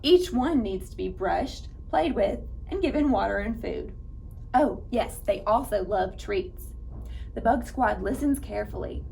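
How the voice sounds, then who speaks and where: A woman reading aloud to young children at storytime, with an animated manner and speaking directly to her listeners. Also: mid-range voice, a little slow, gravelly, slight background noise. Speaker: children's librarian and storytime reader.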